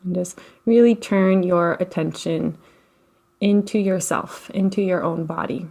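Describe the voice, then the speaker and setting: A woman leading a guided relaxation as a meditation teacher, speaking in a gentle, unhurried, soothing way with long pauses. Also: on the low side, fairly even intonation, vocal fry. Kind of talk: guided meditation, slow instruction.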